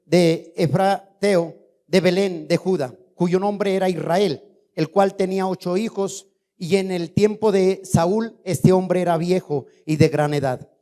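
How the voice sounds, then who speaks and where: Pastor guy, fiery sermon, keeps throwing questions at the church, high voice. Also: a little slow, warm tone. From Colombia. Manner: fiery preaching with rhetorical questions to the congregation.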